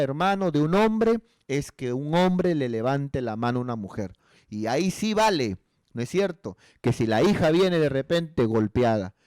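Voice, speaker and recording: A man's voice: medium pitch, a little mellow, no echo, clean studio sound. A male pastor giving pastoral counsel in a conversational sermon, earnestly asking rhetorical tag questions.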